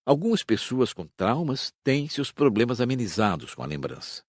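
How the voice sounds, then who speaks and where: Audiobook man as didactic teacher, husky voice with lively melody, measured phrasing, close dry recording. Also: medium pitch, no echo. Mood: instructive, measured. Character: male spirit teacher explaining reincarnation calmly. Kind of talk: scripted audiobook narration.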